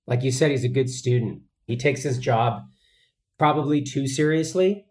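This male actor guest speaks at a normal speed in a mid-range, darkish voice. His interview answers come out earnest and conversational, with plenty of fillers and false starts.

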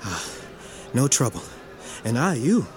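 An actor playing a shy young gardener who speaks deferentially, with hesitant stammers. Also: male voice, mid-range voice, sing-song, a little slow, a little mellow, soft background music. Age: young adult.

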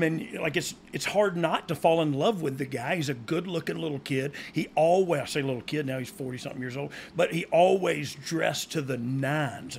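A man co-hosts a casual podcast with a gravelly, slightly high voice. He jokes around and laughs easily. A faint hiss sits under the recording. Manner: joking, laughs often, breaks into song. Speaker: podcast co-host.

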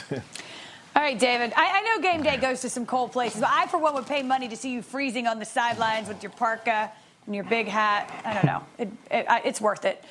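A woman's voice: on the high side, a little fast, fairly bright tone, a little hiss or hum. A woman hosting a sports talk show, playful and teasing. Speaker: host.

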